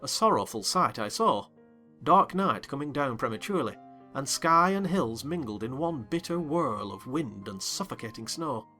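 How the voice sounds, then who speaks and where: A man narrating a dramatized audiobook reading in an expressive, wry manner. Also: mid-range voice, normal speed, soft background music.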